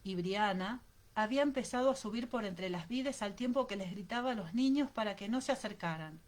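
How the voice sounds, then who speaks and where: Woman reading an audiobook, steady dramatic storytelling, mid pitch. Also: a little fast. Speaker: audiobook reader. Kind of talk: audiobook narration.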